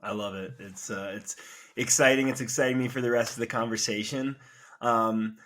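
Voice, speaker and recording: A man's voice: medium pitch, steady tone, moderate pace, fairly bright tone. A man hosting a podcast, asking curious, friendly questions with plenty of fillers. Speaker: podcast host. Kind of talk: conversational interview.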